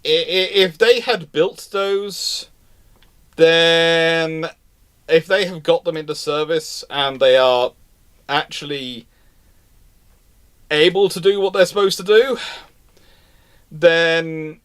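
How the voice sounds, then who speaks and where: Higher-voiced man rambling on a live stream. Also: slow, long pauses, a bit bright, smooth. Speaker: host of a naval history live stream. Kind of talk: casual live chat answering audience questions.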